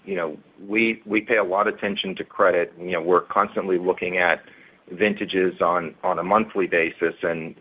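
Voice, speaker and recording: A male company executive answering analyst questions on an earnings call, halting and often repeating words as he restarts. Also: deep voice. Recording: tinny phone-line conference call.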